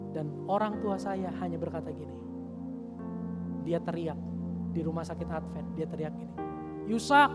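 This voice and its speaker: A man in his thirties, a youth pastor, giving an earnest sermon with a personal testimony, swinging between raised emphasis and hushed confession. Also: on the high side. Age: 30s.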